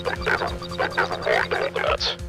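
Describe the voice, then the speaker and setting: A man's voice: moderate pace, loud music behind the voice. A man voicing a mysterious, mocking male phone caller whose voice is disguised by a voice changer. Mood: smug. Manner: smug, mocking. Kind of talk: reading game dialogue aloud.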